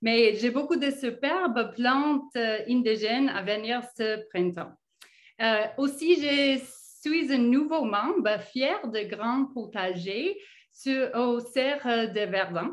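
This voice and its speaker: This woman's voice is high-pitched, with lively intonation. She speaks at a very slow pace. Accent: English. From United States. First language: English (speaking French). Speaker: gardening speaker and seed seller. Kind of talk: online talk. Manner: halting, many fillers.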